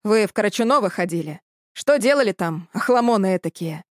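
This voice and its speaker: A woman voicing a stern old village man with a gruff, folksy way of talking. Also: medium pitch, lively intonation, brisk, dry recording, clean studio sound, close to an everyday voice.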